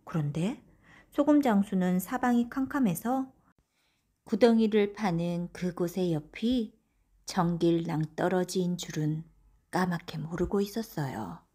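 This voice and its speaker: A woman narrating a folktale audiobook for bedtime, in a gentle, breathy storytelling manner. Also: on the low side, a little slow.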